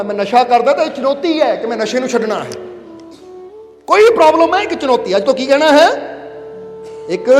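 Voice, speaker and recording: A man delivers an emphatic sermon in a fairly high voice. He keeps checking that his congregation follows him. The sound rings through a large, echoing hall with faint music behind. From Punjab, India. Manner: emphatic, repeatedly quizzing the listeners. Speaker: spiritual preacher.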